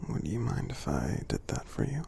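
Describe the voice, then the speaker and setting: A man voicing a friendly, kindly giant in an ASMR roleplay, speaking softly and breathily with a gravelly edge, in a tender, halting, encouraging way. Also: lowish voice, very animated, slight background noise, exaggerated voice. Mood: gentle, reassuring. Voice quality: soft, breathy, half-whispered, gravelly. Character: gentle friendly male giant, kindly and reassuring.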